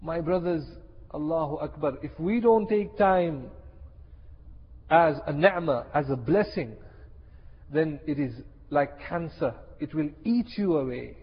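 Impassioned high-voiced male preacher. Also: animated, a little slow, husky. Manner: impassioned, repeats key phrases for emphasis. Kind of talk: sermon. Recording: echoey hall, dull lo-fi sound.

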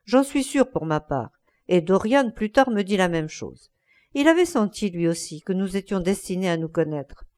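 A woman's voice: mid-range voice, big pitch swings, moderate pace, darkish tone, lightly acted. A woman reading an earnest young painter. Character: earnest young male painter, sincere and reflective.

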